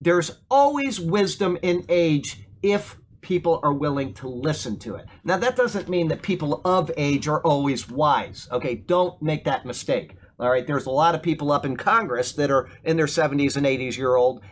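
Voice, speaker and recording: Speaking at a medium pitch over slight background noise, a man in his fifties gives an informal sermon as a pastor. He keeps things conversational, repeatedly asking his listeners "okay?" to check in with them.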